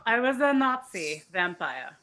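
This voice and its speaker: A woman's voice: a little high, very animated, a little slow, pushed and bright, full character voice. A woman playing a blunt, boastful old soldier vampire, talking conversationally in a comedy table read. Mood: matter-of-fact. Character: blunt, boastful former Nazi vampire being interviewed.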